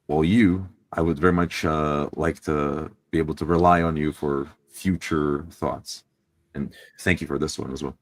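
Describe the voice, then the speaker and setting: A man playing an earnest, courteous adventuring party leader in a tabletop game, measured, formal and reassuring. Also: rumbling low, steady tone, dry recording, studio quality. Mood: encouraging. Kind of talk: in-character tabletop roleplay.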